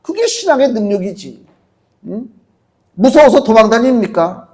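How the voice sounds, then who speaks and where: A middle-aged man preaching a sermon as pastor, emphatic and animated, acting out quoted voices as he speaks. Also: sits high, normal speed. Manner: emphatic preaching, acts out quotes of demons and Jesus.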